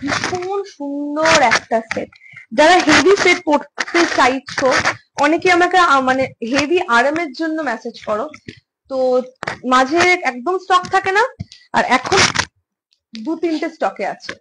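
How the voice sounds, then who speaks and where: A woman with a high voice talks through a casual home showcase of jewellery pieces. She is chatty, repeats her phrases and slips English words into her speech. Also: moderate pace, pauses often, very noisy. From India. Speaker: jewellery seller. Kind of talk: casual live product showcase.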